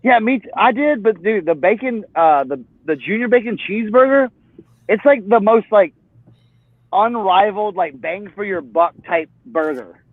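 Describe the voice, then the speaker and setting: A man's voice: sits high, animated, normal speed, dry recording. An enthusiastic man chatting emphatically in a casual group call. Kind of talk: casual chat. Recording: tinny phone-like line.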